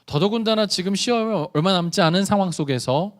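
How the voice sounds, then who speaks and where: A man with a somewhat high-pitched voice delivers a sermon at a church service for young people. He tells stories in an animated, conversational way. He often turns to the listeners and asks them questions directly. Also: fast. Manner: addresses the congregation directly with questions. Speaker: youth pastor.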